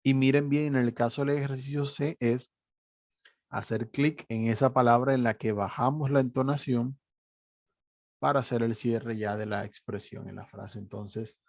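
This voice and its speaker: Patient teacher explaining exercises. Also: male voice, medium pitch, fairly even intonation, moderate pace, creaky, darkish tone, no room sound. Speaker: English teacher. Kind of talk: online class walkthrough. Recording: dry, slightly dull recording.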